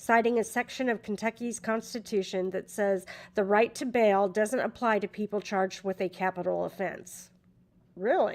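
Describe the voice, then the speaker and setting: A woman speaks in a normal speaking voice at a moderate pace, her fairly high pitch showing ordinary variation. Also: very clean recording, silent background. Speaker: true crime livestream host. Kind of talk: reading news articles aloud with commentary. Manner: stumbles and repeats words while reading.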